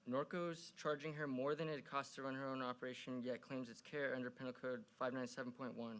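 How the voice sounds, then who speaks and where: A man's voice: medium pitch, fairly bright tone, clean tone, low-quality recording. A man reading prepared public remarks to a council in a pointed, critical, argumentative way. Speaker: public commenter at a city council meeting. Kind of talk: prepared speech, read out.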